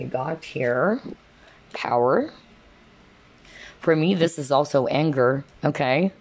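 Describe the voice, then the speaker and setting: A tarot card reader speaks casually to viewers in a medium-pitched voice, with a little hiss or hum in the recording. Her manner is conversational, punctuated often by a questioning "okay?"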